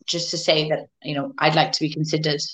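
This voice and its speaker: A woman's voice: low voice, flat delivery, fairly quick. A woman chatting as an interview guest, phrasing hesitantly, over a phone video call. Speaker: professional fighter, interview guest. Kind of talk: casual interview chat.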